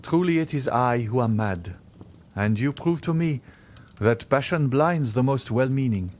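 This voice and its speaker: A man's voice: mid-range voice, animated, a little slow, a little mellow, slight background noise, voice pushed up, close to an everyday voice. A man voicing a proud, desperate young lover, bitterly devoted, speaking with formal, earnest intensity in an audiobook. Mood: sorrowful. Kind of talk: dramatized audiobook reading of a classic novel.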